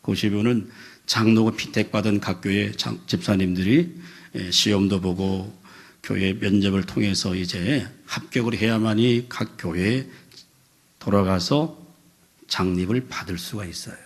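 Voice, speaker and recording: A man in his fifties, a pastor preaching a sermon, telling a story with voiced quotes and building to loud, emphatic peaks. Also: on the low side, unhurried. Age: 50s. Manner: storytelling with animated voiced quotes, rising to shouts.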